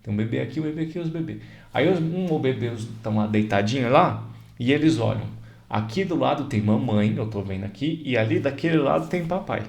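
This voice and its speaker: A man's voice: medium pitch, animated, fairly quick, gravelly, darkish tone. A man with a Brazilian Portuguese accent, an astrologer explaining ideas in a casual, conversational way and often checking that the listener follows. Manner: conversational, repeats examples, checks in with "certo?" and "tá?".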